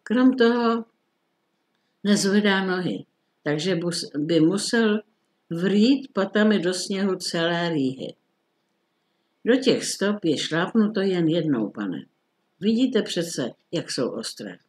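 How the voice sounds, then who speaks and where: Pitched high and animated, a man plays a phlegmatic middle-aged police commissioner who speaks in a dry, unhurried, grumbling manner.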